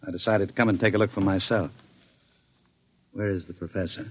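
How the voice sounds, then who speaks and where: An actor playing a suave, menacing gangster in an old radio drama, smooth and sardonic, making unhurried threats. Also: male voice, deep voice, steady tone. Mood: mocking. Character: suave menacing male gangster, calm and mocking. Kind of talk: 1950s radio drama acting. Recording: noisy old radio broadcast.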